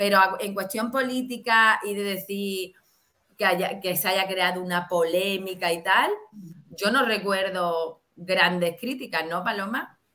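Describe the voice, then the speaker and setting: Her pitch is medium. This woman speaks at a very slow pace. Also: ordinary pitch variation. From Andalusia. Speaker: comic actress and improviser. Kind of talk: interview.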